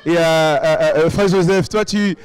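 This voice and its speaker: A man with a higher-than-usual voice asks church members questions. He stammers and restarts his sentences, reaching for words. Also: steady tone, unhurried, clear, resonant tone, poor audio. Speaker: interviewer. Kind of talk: church interview.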